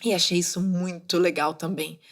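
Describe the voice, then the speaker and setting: With a voice on the low side, fairly even intonation, and a moderate pace, a woman in her thirties delivers a motivational solo podcast monologue. As host, she keeps it casual and coaches listeners directly.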